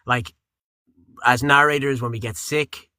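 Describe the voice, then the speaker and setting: Guy voice actor, rambly, lots of ums, bright tone, dead dry sound. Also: mid-range voice, a little slow, no room sound. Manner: rambling, relaxed, with frequent fillers and restarts. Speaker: voice actor and audiobook narrator. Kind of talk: casual interview chat.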